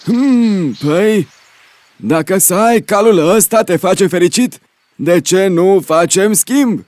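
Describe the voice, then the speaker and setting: A man voicing a cheerful, generous old man who is eager to trade, talking in a polite and excitable way. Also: high voice, dry recording. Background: background music.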